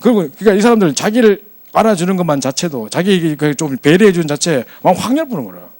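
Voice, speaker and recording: A male pastor preaching to a youth group in a casual, story-driven way. His voice sits a bit high and swings up and down, and he rattles along quickly. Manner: animated, chatty storytelling with acted quotes. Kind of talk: storytelling sermon to young adults.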